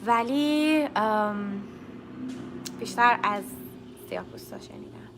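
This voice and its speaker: Bright young woman teacher. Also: fairly high pitch, slight background noise. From Iran. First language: Persian. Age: young adult. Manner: switches between English and Persian, reads out viewer questions. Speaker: English teacher answering live chat. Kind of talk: casual live-stream Q&A.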